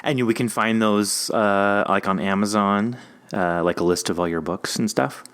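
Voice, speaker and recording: Guy hosting a podcast chat, kinda low voice, jokey and encouraging. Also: steady tone, moderate pace, fairly bright tone, smooth. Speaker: podcast host interviewing an author. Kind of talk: casual interview chat.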